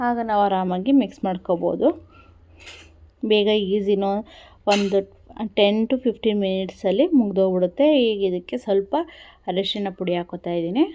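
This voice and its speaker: A woman's voice: medium pitch, fairly even intonation, moderate pace, dark tone. A woman with a Kannada accent, talking viewers through a recipe at an easy pace in a casual cooking vlog, repeating simple instructions. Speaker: cooking vlogger.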